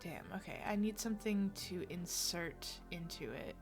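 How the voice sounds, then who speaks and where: A woman's voice: fairly low pitch, normal speed, music in the background. A woman playing a game in a casual let's play style, reading and thinking aloud. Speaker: video game streamer reading dialogue aloud.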